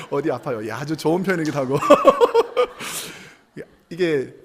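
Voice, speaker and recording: A man's voice: a little high, fast talker, background noise. A male pastor preaching a Sunday sermon in a church, acting out husband-and-wife exchanges and bantering with the congregation. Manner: animated, acts out spouses' quips, chuckles with congregation. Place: church sanctuary.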